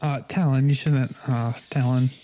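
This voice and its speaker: An awkward young adventurer guy, played by a woman, speaks in a very low register for a female voice. He stammers apologetically and hesitates, casual and unsure, in a tabletop game recording with noise behind. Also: fairly even intonation, moderate pace, warm tone.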